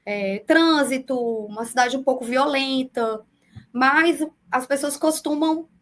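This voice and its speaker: A woman in her forties, a public defender, takes remote interview questions by video call, explaining calmly at a measured pace with little fillers here and there. Her voice is high, light, and fairly bright, and her Brazilian accent mixes the far south with the northeast.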